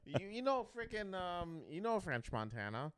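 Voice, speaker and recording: A young man co-hosting a podcast, chatting casually in a loud, excitable and profane way. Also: sits high, moderate pace, a crowd in the background. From Canada. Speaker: podcast co-host.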